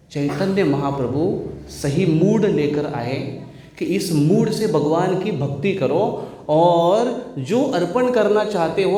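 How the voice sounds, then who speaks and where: Playful preacher in echoey hall. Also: male voice, high-pitched, mellow. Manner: playful, laughing storyteller. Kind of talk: storytelling sermon. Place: temple hall. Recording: roomy temple hall.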